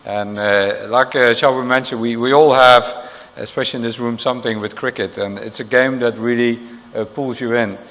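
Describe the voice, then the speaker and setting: A man's voice: medium pitch, steady tone, moderate pace, a bit bright, long reverb tail. A middle-aged Dutch executive with a slight South African tinge to his accent, giving a press conference speech full of "uh" fillers and restarts. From Netherlands. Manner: hesitant, many uh fillers and restarts. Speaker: corporate marketing executive.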